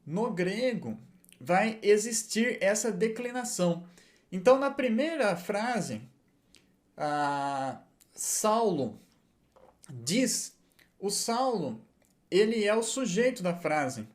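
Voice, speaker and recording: A man's voice: sits high, big pitch swings, takes it slowly. A man giving a patient lesson, explaining step by step and checking in with his listeners often. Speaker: Hebrew and Greek teacher.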